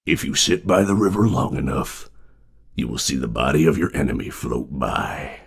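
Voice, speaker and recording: An actor playing a menacing, solemn monster in a video game, deep and gravelly, with slow, grave, theatrical delivery. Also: male voice, expressive, exaggerated voice. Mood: grave menace. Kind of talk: video game villain voice lines.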